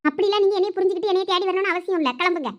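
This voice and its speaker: A woman's voice: extremely high pitch, rapid-fire, muffled recording. A woman voicing a sulky, hurt young wife with a Thoothukudi Tamil accent in a cartoon, reproachful and insistent. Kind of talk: cartoon voice acting.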